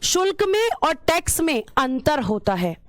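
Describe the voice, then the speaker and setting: A woman teacher gives an exam-prep lecture, repeating key terms, posing questions and answering them herself, and calling her students "beta." Her high-pitched voice swings widely in pitch at a measured pace, and the recording is dry.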